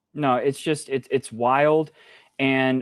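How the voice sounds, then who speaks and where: Very slowly and with fairly even intonation, a man with an American accent speaks in a very clean recording with a silent background. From Texas. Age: 40s. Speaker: podcast host. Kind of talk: casual discussion.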